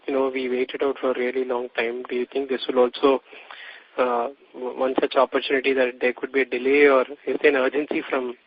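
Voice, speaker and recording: A man's voice: mid-range voice, monotone, brisk. A man with an Indian accent, an analyst politely putting questions on an earnings call. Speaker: financial analyst asking questions. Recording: echoey, dull lo-fi phone call.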